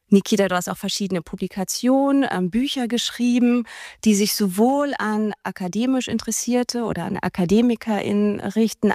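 A woman introduces her guest at length in a formal, welcoming way, then asks her questions. Her voice has a mellow, warm tone at a middle pitch and sounds dry and close to the mic. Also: dry recording. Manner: formal, welcoming, reads long sentences. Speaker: interviewer, festival host. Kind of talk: prepared interview introduction.

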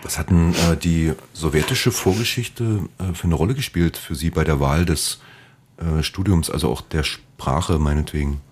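A man's voice: rumbling low, moderate pace, husky. A man interviewing, asking long, winding questions full of fillers. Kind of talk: oral history interview.

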